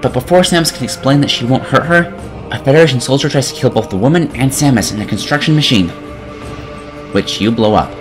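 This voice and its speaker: A man's voice: medium pitch, brisk, music in the background. A man narrating a scripted comedic video game review in a sarcastic, mock-dramatic manner.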